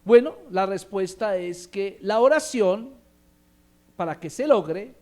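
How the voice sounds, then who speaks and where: Emphatic high-voiced Colombian pastor. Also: male voice, animated, takes it slowly, darkish tone. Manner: emphatic, calls on the congregation for responses. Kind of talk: sermon.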